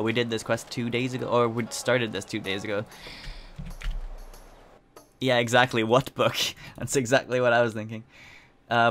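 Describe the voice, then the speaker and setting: A man's voice: medium pitch, a bit bright. Casual man hosting a game walkthrough. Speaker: game video host. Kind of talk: casual walkthrough commentary, reading quest dialogue aloud.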